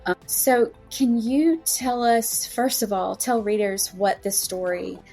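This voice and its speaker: A woman's voice: mid-range voice, steady tone, slow pace, darkish tone, faint music behind. A woman hosting a podcast interview, talking casually and effusively. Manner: effusive, gushing. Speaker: podcast host and anthology editor.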